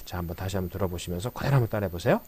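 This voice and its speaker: A man teaching English pronunciation in a lecture, explaining patiently, slowly repeating phrases to show stress, with frequent short fillers. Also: deep voice, expressive, a little mellow, slight background noise. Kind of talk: spoken language lecture.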